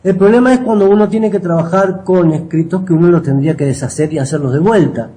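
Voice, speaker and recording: A man's voice: high voice, fast talker, mellow. A middle-aged man with a Rioplatense Spanish accent answering interview questions conversationally, explaining and often checking with short tag questions. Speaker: interview guest, writer and copy editor.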